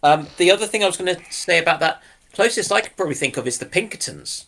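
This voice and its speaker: Male panelist, animated intonation, bright forceful tone, slightly high pitch, informal discussion. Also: fast talker, vocal fry.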